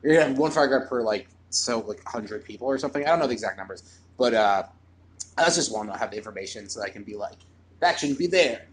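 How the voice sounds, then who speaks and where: Fast-talking young man rambling. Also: medium pitch, expressive, slight background noise. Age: 20s. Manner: rambling, talks fast with many fillers. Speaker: comedian. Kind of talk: casual chat. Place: bar.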